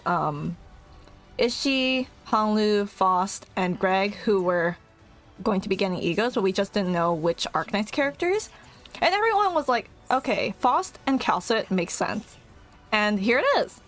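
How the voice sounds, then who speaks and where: Excitable rambling woman streamer. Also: medium pitch, measured pace, faint music behind. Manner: excitable, rambling, full of fillers and giggles. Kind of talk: casual reaction stream chat.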